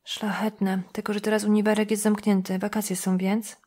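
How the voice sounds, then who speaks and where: A brash, street-smart woman who sneers and speaks bluntly and coarsely, as a woman reads her in an audiobook. Her pitch sits in an ordinary middle range. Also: flat delivery, moderate pace, mellow, lightly acted. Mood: mocking. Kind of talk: audiobook dialogue.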